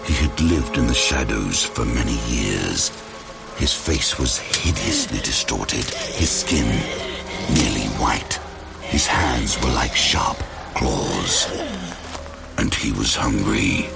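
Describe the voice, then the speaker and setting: Super deep slow guy doing ominous horror story narration, big music behind. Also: animated, gravelly. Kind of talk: dramatic scripted gothic horror narration. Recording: loud cinematic music bed. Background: loud dramatic music.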